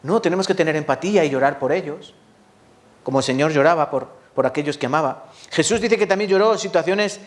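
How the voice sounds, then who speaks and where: A man delivering a sermon in a fairly high voice. He speaks straight to his congregation, firing off rhetorical questions and answering them himself. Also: a little fast. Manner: rhetorical questions, lively rises and drops; addresses congregation directly. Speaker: pastor.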